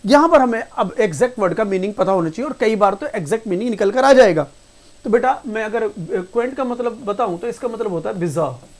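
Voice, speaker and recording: A man runs a live online class on English words, and his voice sits high. He repeats each point several times, asks the students questions and answers them himself. He speaks to his students affectionately as "beta". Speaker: English teacher.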